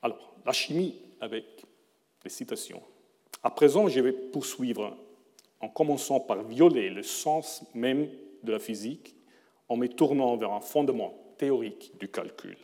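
A middle-aged man, speaking a language that is not his native one, gives a formal lecture in a mellow, rounded voice. He reads carefully and corrects himself now and then. The sound carries the long reverb of a large lecture hall. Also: medium pitch, animated. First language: not French. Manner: careful, measured delivery with occasional self-corrections.

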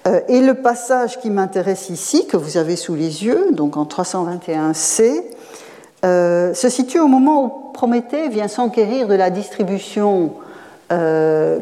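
A woman's voice: medium pitch, dark tone, big-room sound. A woman professor giving an academic lecture, explaining at length with fillers and self-corrections. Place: lecture hall.

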